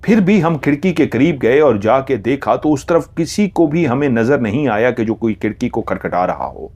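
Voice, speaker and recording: Man softly narrating a horror tale. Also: medium pitch, slightly rough. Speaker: storyteller.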